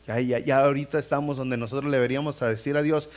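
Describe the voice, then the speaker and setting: A man preaching a sermon as pastor in a church. He talks to the congregation directly and acts out scenes with animated voices. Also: medium pitch, quick pace. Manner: conversational, addresses the congregation directly. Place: church sanctuary.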